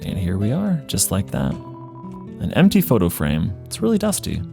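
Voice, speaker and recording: A man's voice: fairly low pitch, wildly swooping pitch, moderate pace, creaky. A man hosting a let's play with casual, chatty commentary on the game. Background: game music.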